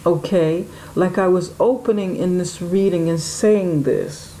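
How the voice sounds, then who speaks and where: Woman, tarot reader, unhurried musing delivery, relaxed dark tone. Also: on the low side, slight background noise, rough recording. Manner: musing, talks to spirit and viewer, laughs often. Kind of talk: intuitive tarot reading.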